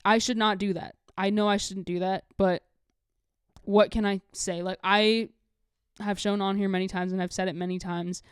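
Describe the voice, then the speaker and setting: A young woman in her late teens chats as a solo podcast host in a smooth, clear voice at a medium pitch. The recording is close and dry. Her delivery is casual and confessional, rambling along with lots of filler "like". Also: little pitch movement, normal speed, dry recording. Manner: rambling, heavy use of "like", candid.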